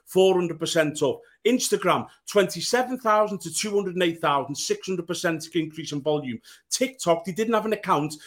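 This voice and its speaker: A man with a noticeably high voice holds forth as a podcast panellist in a heated sports debate. He is insistent and emphatic, hammering key points by saying them again.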